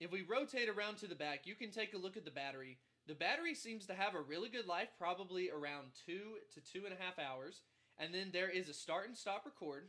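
A man speaks fairly quickly in a raised, projected voice. His intonation is lively. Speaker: product reviewer. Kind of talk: product review tutorial. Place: home room.

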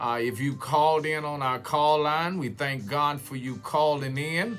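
Faint music plays behind a man who talks at a fairly slow pace with fairly even intonation. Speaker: pastor. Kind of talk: live-stream welcome and announcements. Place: office. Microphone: webcam.

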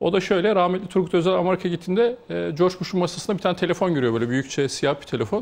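A high-pitched man at a very fast pace with hardly any pauses and ordinary pitch variation. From Turkey, Balıkesir; Turkey. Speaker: former state research agency executive, engineer; guest. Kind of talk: TV interview. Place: studio.

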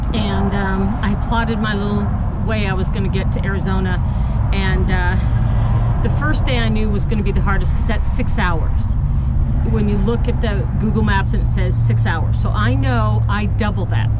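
A woman's voice comes through with a dry sound, no echo, and loud background noise. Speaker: RV traveler vlogger. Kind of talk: casual vlog chat. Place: open country.

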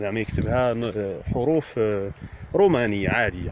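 Speaking at a moderate pace, a man has an Algerian accent. The sound is dry with no echo, with noticeable background noise. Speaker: language teacher. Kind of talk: casual explanatory talk to camera. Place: open country. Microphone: phone near.

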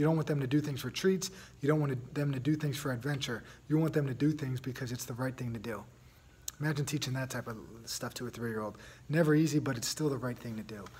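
A man talks at a very fast pace with ordinary pitch variation. His voice is somewhat breathy. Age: 30s. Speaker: podcast host. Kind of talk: solo monologue podcast. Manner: casual, unscripted. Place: home room. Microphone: phone near.

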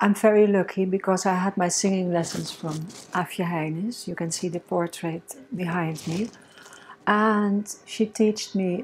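A woman's somewhat breathy voice, fairly even in intonation and fairly slow, over light background noise. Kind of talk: interview answer. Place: bar.

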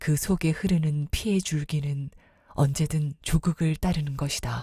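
A woman's very deep, low voice, somewhat breathy and dark and mellow in tone, with ordinary pitch variation, on a very clean recording with a silent background. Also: dry, close sound with no echo. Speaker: audiobook narrator. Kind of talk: dramatic narration, reading a story aloud with character voices. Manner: expressive, shifts tone between characters and narration; dramatic, theatrical pacing in emotional scenes.

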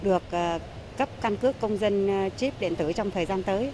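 A woman with lively intonation keeps a moderate pace amid noticeable background noise. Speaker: school administrator. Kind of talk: interview. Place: street. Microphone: handheld.

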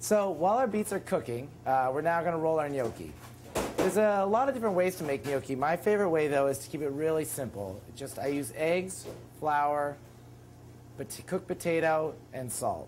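Over light background noise, the speaker moves at a moderate pace with lively intonation. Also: man. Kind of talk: tutorial. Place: kitchen. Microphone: lapel.

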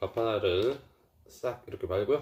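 The man's voice is somewhat breathy. He speaks at a fairly slow pace. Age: 50s. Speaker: office worker. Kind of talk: casual talk to camera, mukbang.

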